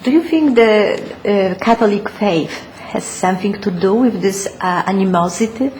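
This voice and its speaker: A woman's voice: medium pitch, moderate pace, darkish tone. A woman asking questions as an interviewer in a conversational interview. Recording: faint background noise.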